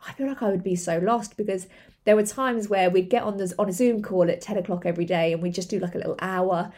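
A woman hosts a podcast, giving a motivational monologue about running a business. Her voice is mellow and warm, at a middle pitch. She talks earnestly and chattily, with lots of fillers and repeated words. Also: fast. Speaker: podcast host, entrepreneur.

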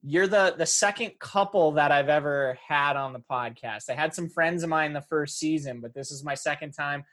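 A man's voice: a little high, normal speed. Rambling casual podcast host man. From Upper Peninsula of Michigan. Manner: relaxed, rambling with restarts and fillers.

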